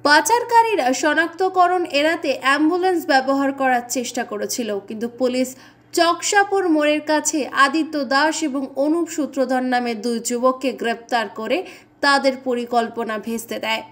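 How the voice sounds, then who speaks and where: A woman news anchor reading a scripted bulletin in a formal, steady manner. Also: sits high, moderate pace.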